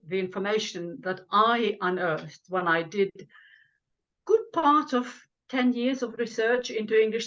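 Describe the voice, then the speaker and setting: Heard in lo-fi sound, this older Lithuanian-born woman, a native Lithuanian speaker, talks in a mid-range voice. Appearing as an author and guest, she offers conversational, earnest explanations, occasionally slipping in a wry remark.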